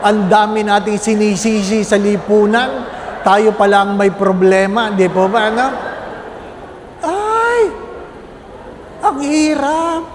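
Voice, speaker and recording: A man's voice: high-pitched, little pitch movement, normal speed, long reverb tail, background noise. A man, a Catholic priest, preaching a homily with humorous stories and constant questions to his congregation. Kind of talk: sermon.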